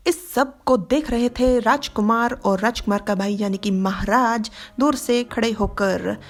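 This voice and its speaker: A woman narrating a story explanation in an expressive, dramatic way. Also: on the high side, unhurried.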